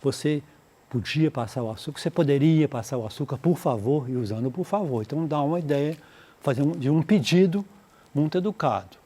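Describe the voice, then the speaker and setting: A Brazilian man teaches English for an exam-prep lesson. His voice sits a little high. He models English sentences slowly, translates them, and keeps checking in with his students. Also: warm tone. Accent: Brazilian Portuguese. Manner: slows down to model English phrases, then translates; explanatory, repeats points with "né?" and "tá?".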